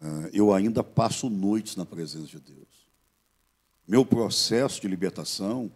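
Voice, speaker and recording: A middle-aged Brazilian man, a pastor, gives his testimony in a low, slightly husky voice. He speaks in an earnest, measured way, like a man used to preaching. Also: animated, darkish tone. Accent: Brazilian Portuguese. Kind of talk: gospel TV interview testimony.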